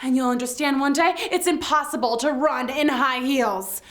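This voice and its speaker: A woman's voice: high-pitched, moderate pace, background noise. A woman hosting children's story time, telling tales in a theatrical, exclamatory, playful way. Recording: music bed behind the voice.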